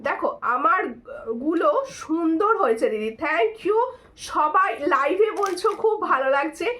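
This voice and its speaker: A woman with a hoarse voice hosting a live jewelry sale, chatty and repetitive, thanking viewers and urging them to take screenshots. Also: very high-pitched, lively intonation, a little slow, fairly bright tone. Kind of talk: live-stream sales pitch.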